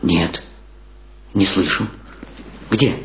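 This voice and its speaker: A man's voice: deep voice, very slow, a little hiss or hum. A man voicing a young, trusting son dung beetle in an eager, childlike way. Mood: curious. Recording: dull roomy archival radio recording with music.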